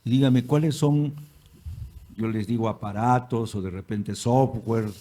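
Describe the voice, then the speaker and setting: A man's voice: mid-range voice, fairly even intonation, measured pace, mellow. A man hosting an interview, asking long hypothetical questions with some hesitant restarts. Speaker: host.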